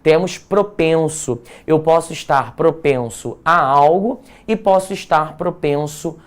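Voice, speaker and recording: A man's voice: fairly high pitch, takes it slowly. Brazilian male teacher explaining grammar. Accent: Brazilian Portuguese. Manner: explanatory, frequent check-ins like "certo?" and "tá?". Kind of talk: live online exam-prep grammar class.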